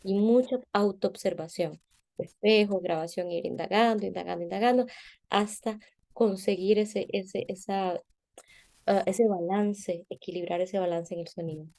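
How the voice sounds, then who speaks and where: A woman's voice: medium pitch, fairly even intonation, unhurried, mellow. A woman voice teacher patiently explaining singing technique in an interview over a video call, often checking in with her listener.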